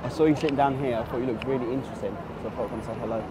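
A man, chatting casually in a hesitant, halting way. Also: mid-range voice, fairly even intonation. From England. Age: 30s. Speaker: coaching client. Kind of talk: casual conversation. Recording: clear background noise of busy places.

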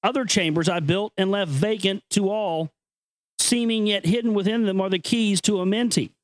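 A man's voice: high voice, moderate pace, dry recording, poor audio. A man hosting a show, moving between dramatic reading and casual, earnest, conspiratorial commentary. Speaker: host reading an ancient text with commentary.

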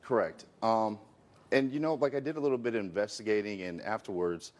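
A man in his thirties with a very low voice lays out his side as the plaintiff in a televised courtroom. He sounds earnest and wronged, and he keeps leaning on "you know" as he goes. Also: brisk. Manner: earnest and aggrieved, full of "you know" fillers. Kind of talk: courtroom testimony. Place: TV courtroom set.

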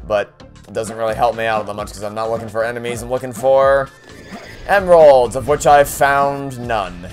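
A man's voice: medium pitch, normal speed, faint music behind. A young man giving sarcastic, exasperated commentary while playing a video game, swearing and complaining often. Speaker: let's play host. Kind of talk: profane frustrated gameplay commentary.

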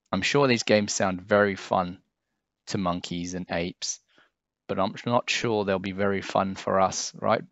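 A man reading a children's story aloud in an expressive way, acting out the characters for young listeners. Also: low voice, dry recording, highs cut off.

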